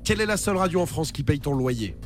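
A man's voice: fairly high pitch, lively intonation, soft background music. A male radio host joking through studio banter, running a call-in game while losing his voice. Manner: joking, fast-talking.

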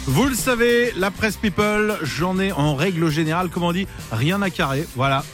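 A bright-voiced man in his thirties leads a radio quiz with playful, chatty energy. He laughs easily and keeps things moving with quick banter, while faint music plays beneath his voice. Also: sits high. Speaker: radio host. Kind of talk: upbeat radio game show patter.

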